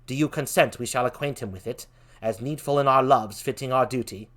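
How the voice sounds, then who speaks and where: A man's voice: medium pitch, fairly quick, fairly bright tone, natural voice. A man voicing a grave, earnest night watchman in a stage tragedy, reading in a declamatory Shakespearean style.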